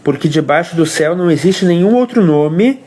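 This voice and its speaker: A man from Brazil, explaining a faith question on a casual family devotional livestream, with pauses and restarts. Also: fairly high pitch, expressive, a little mellow, breathy edge. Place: home livestream.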